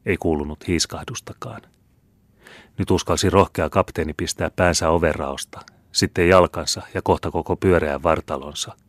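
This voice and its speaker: A man reading an audiobook in a measured, even storytelling manner. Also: low voice, dry recording. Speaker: audiobook reader. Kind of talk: audiobook narration.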